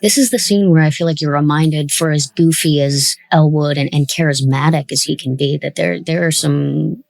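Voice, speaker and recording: A woman's voice: sits low, steady tone, normal speed, creaky, hardly any pauses, darkish tone, no echo. A woman hosting a casual commentary on an audio drama, chatty and reflective as the show's creator.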